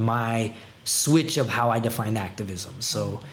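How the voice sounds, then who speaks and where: Amid noticeable background noise, a man speaks at a medium pitch in an American accent. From New York. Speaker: artist and educator. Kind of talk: casual interview chat.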